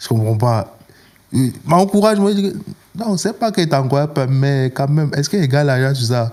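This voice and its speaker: With a strong Cameroonian accent and a dark, mellow tone, a man speaks at a moderate pace and a fairly high pitch, his intonation lively, his loudness swinging widely, and hardly any pauses. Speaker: comedian. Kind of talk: interview. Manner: halting, repetitive.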